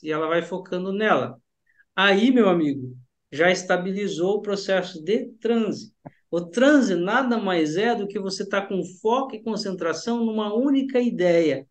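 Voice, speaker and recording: A Brazilian man explains hypnosis to a class in a lively, demonstrative lecture. His voice sits fairly high for a man, and he keeps varying his intonation to act out what he teaches. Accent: Brazilian Portuguese.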